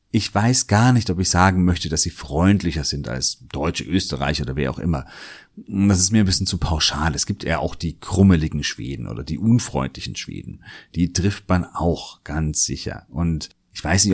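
A German-speaking man hosting a solo podcast, talking in a thoughtful, musing way and often repeating words as he weighs his thoughts. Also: low voice. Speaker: podcast host. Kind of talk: reflective solo podcast monologue.

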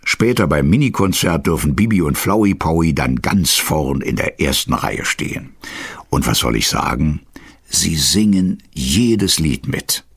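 A man narrating a children's audio play as a storyteller in scripted style, with a husky voice. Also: a bass voice, expressive, unhurried, no room sound, clean studio sound, heavily acted. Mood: storytelling.

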